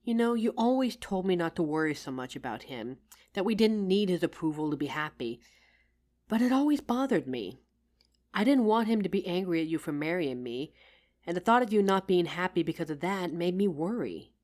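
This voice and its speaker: A woman's voice: on the low side, lively intonation, normal speed, a little mellow, lightly acted. A woman playing a loving, tired career-woman wife in an intimate audio roleplay, speaking tenderly and teasingly as if to her husband. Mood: earnest, affectionate.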